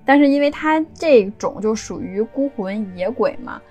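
A woman's voice: on the high side, lively intonation, moderate pace, darkish tone, soft background music. A woman hosting a podcast, telling a story in a chatty, casual way. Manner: chatty, with frequent erhua endings. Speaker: podcast host.

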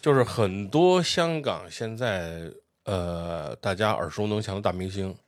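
Male podcast co-host, low but lively voice, chatty and agreeable, close dry mic. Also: a little slow, no echo. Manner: chatty, many brief agreeing interjections. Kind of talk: casual chat.

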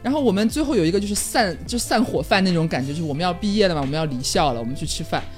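Animated, fast-talking woman storyteller. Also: fairly low pitch, faint music behind. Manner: animated, rambling storyteller with many fillers. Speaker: podcast co-host. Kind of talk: casual chat.

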